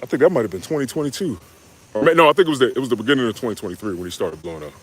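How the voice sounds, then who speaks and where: A young man from the United States, a fitness coach answering viewers' questions on a live stream in a relaxed, slangy way. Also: medium pitch, rapid-fire. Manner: laid-back, slangy, talks straight to viewers with "y'all" and "man". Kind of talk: live stream Q&A, reading chat comments.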